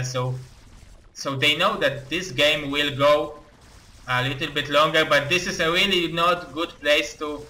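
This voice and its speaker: A young man with an Eastern European accent, giving live play-by-play game commentary in halting, excitable non-native English. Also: on the high side, a little hiss or hum, low-quality recording. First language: not English.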